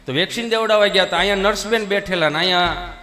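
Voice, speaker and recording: A man's voice: high voice, quick pace, big-room sound. A man telling folk comedy stories to a live audience on a stage microphone. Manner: lively, conversational, addresses the audience. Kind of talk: stand-up folk comedy storytelling.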